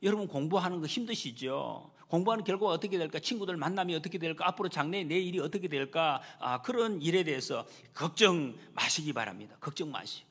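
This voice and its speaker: Animated pastor preaching in a reverberant church. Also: male voice, on the high side, brisk, few pauses, husky. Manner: animated, acts out quoted lines with raised voice. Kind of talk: sermon. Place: church sanctuary.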